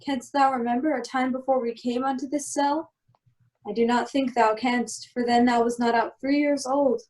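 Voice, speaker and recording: A solemn, commanding exiled wizard duke and protective father, played by a woman with a high voice. The delivery is measured Shakespearean storytelling for an amateur radio play. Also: steady tone, darkish tone, close to an everyday voice. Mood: solemn recounting.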